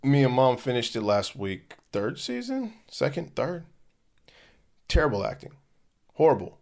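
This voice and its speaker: Gravelly and a little mellow, this young man's medium-pitched voice swings hugely in pitch while he keeps a measured pace. He's a podcast co-host in a casual chat, joking around in a relaxed, slangy way.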